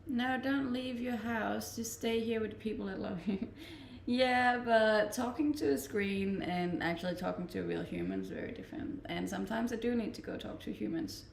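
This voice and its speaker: Young woman, Danish accent, relaxed live-stream chat, gravelly voice, echoey room with faint noise. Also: on the high side, moderate pace, hardly any pauses. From Denmark. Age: 20s. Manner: relaxed, chatty, laughs often. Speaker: livestreamer. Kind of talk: casual chat reading viewer comments.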